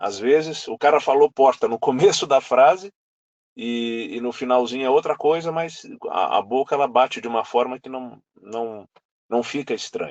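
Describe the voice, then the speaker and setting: A plain, everyday voice, with ordinary pitch variation and big swings in loudness. The pace is moderate, and the sound is dry and close with no echo. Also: man, medium pitch for a man. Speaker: voice actor. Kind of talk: interview answer.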